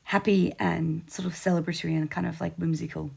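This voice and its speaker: A hoarse Australian woman who is losing her voice, chatting casually as she narrates a craft video. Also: fairly low pitch, flat delivery, brisk, a little mellow. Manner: chatty, informal. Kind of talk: casual process voice-over.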